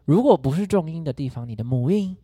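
Male co-host, playful and over-the-top, lively swings, dry close sound. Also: a little high, fast talker, breathy edge, no room sound. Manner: playful, exaggerated delivery. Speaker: podcast co-host. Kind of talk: casual chat.

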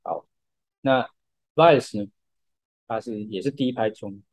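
A man talks through a music topic on a casual podcast. His voice sits at an ordinary middle pitch. He is patient and explanatory, and he leans on frequent filler words as he goes. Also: unhurried, a little mellow. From Taiwan. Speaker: podcast co-host.

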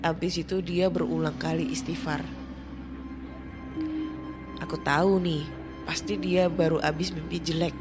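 A woman with a fairly low voice tells a first-person horror story in a tense, hushed manner. Music plays clearly underneath her narration. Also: flat delivery, unhurried, pauses often.

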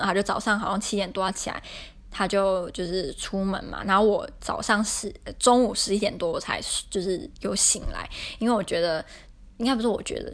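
A woman's voice: medium pitch, fairly bright tone. A young woman, telling a story casually in an exasperated, rambling way. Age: young adult. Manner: exasperated, rambling retelling with many fillers. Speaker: podcaster.

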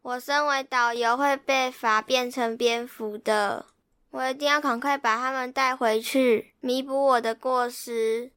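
Woman doing a high, bright, flustered young vampire boy. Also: fairly even intonation, measured pace, smooth, no room sound, studio quality. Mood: distraught. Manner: whiny, flustered, pleading. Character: frantic young male vampire trainee tour guide.

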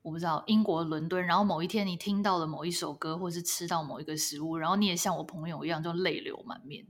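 A woman from Taiwan living abroad, co-hosting a podcast in casual, animated chat and laughing often. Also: lowish voice, fast. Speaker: podcast co-host. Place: lives in Canada.

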